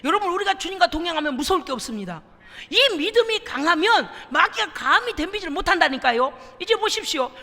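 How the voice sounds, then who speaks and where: A woman pastor preaches emphatically, prompting her congregation for responses, in a very high, bright voice. A gravelly rasp runs under her words, and a long reverb trails from the church sanctuary. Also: sing-song, fast. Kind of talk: sermon.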